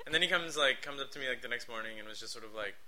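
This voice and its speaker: A man's voice: mid-range voice, racing, crowd noise, poor audio. A man hosting a podcast, telling a story in casual chat, laughing and swearing a lot. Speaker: podcast host.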